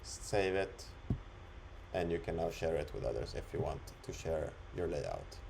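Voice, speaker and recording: A man talking through an unscripted screen-recorded software demo, explaining it step by step in an instructional way. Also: rumbling low, lively intonation, a little slow, vocal fry, background noise. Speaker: software demonstrator.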